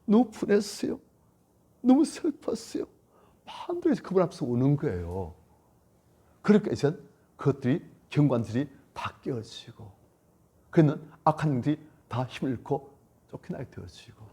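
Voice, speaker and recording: A male pastor preaching a sermon, emphatic and repetitive, swinging between loud lines and hushed ones. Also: mid-range voice, expressive, moderate pace, breathy edge. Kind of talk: sermon at a church retreat.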